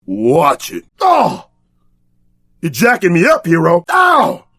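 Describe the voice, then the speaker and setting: A man's voice: sits high, huge pitch swings, takes it slowly, fairly bright tone, husky, dry recording, clean studio sound, heavily acted. An actor voicing a brash, trash-talking tough-guy sidekick in a video game, bombastic and streetwise in exaggerated combat barks. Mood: angry, threatening.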